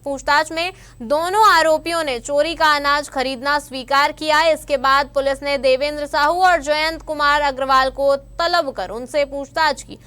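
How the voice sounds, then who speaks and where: Woman newsreader, high voice, bright tone, formal even delivery. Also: normal speed, hardly any pauses. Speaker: news anchor. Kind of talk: scripted news reading.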